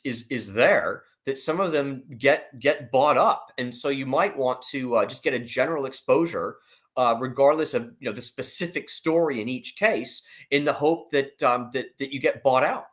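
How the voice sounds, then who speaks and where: A man's voice: medium pitch, moderate pace, a bit bright. A man giving conversational financial commentary as an interview guest, explaining emphatically and often rephrasing himself as he goes. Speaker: investment analyst guest.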